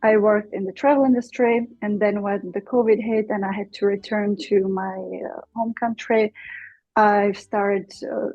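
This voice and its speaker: A young adult woman from the Czech Republic with a Czech accent, a Czech teacher speaking English casually as an interview guest, thoughtful and pausing often. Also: mid-range voice, steady tone, dark tone, dry recording, dull audio, faint music behind. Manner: thoughtful, many fillers and restarts.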